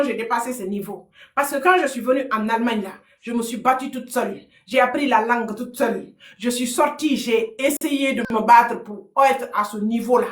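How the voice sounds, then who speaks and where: A combative woman from Guinea, ranting sarcastically and repeating her points. Her voice sits high. The room around her adds a noticeable echo. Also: a bit bright. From Guinea (Fouta). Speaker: livestreamer, political commentator. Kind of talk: heated live commentary. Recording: roomy echo.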